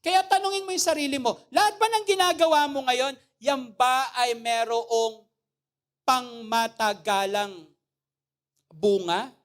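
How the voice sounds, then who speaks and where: Mabagal magsalitang babaeng pastor. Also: female voice, high voice, measured pace. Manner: preaching with humor, asking the congregation "Amen?"; swings between loud emphatic phrases and soft asides. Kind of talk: sermon.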